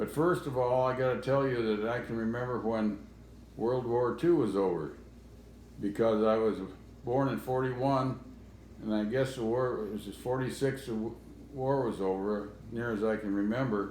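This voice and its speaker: Speaking at a moderate pace with long, frequent pauses, a man with an American accent uses medium pitch and ordinary pitch variation amid audible room echo. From US Pacific Northwest, Quilcene, Washington. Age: 70s. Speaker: retired logger. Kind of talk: interview, life story reminiscence. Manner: halting, with false starts.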